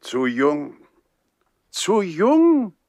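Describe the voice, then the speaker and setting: An actor playing a stern, pompous older nobleman and father in a 1960s radio play, questioning deliberately. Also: high voice, wildly swooping pitch, darkish tone, dry recording, exaggerated voice. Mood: stern, probing.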